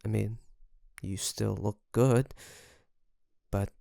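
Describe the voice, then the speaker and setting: Man acting a slow-talking, creaky, nervous best friend. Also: fairly low pitch, steady tone, dry recording, studio quality, heavily acted. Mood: caring, teasing. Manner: hesitant, halting, soft nervous chuckles. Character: nervous, caring young male best friend, secretly obsessive. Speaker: voice actor. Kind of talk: intimate audio roleplay, speaking to the listener.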